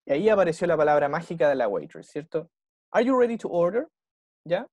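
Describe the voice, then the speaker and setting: A man's voice: fairly high pitch, big pitch swings, fairly quick, darkish tone, soft background music. A man with a Chilean Spanish accent, an English teacher who walks a class through a recorded dialogue and keeps checking in with short questions. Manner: patient, checks in with "¿ya?" and "¿cierto?" after every point.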